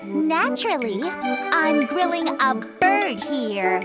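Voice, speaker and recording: A woman's voice: high voice, sing-song, slow pace, loud music behind the voice, heavily acted. A woman voicing a haughty young princess, aloof and dismissive, in a children's storybook tale. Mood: airy. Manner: aloof, curt.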